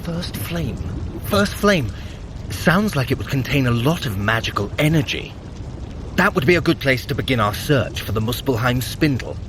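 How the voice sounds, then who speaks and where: Man playing animated, wry Norse trickster god. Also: mid-range voice, normal speed, noisy background, natural voice. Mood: curious, wry. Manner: wry, articulate, theatrical. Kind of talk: scripted audio drama acting.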